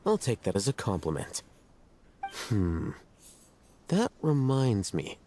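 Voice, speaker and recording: A man playing an arrogant, cool-headed scholar in a fantasy video game, speaking in a measured, formal, condescending way. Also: on the low side, huge pitch swings, warm tone, a little hiss or hum, full character voice. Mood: coolly analytical. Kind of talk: scripted video game dialogue.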